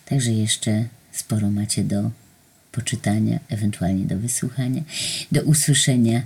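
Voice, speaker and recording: A woman reading her own story aloud with lively expression. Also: extremely low pitch, a little slow, creaky, husky.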